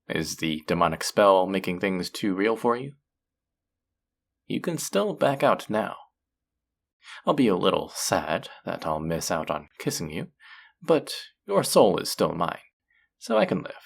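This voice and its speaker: A voice actor playing a flirty, possessive demon casino dealer in an intimate audio roleplay, teasing and taunting in a low, husky, breathy voice. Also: heavily acted. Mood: teasing, challenging. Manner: teasing, taunting, slow and drawn-out.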